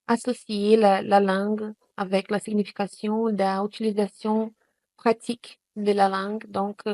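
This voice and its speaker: A Brazilian woman, a native Portuguese speaker, gives a hesitant testimonial in French, with many pauses and fillers. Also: medium pitch, a little mellow, dry recording. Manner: hesitant, many fillers and restarts in a second language. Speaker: student giving a testimonial. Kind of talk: spontaneous testimonial.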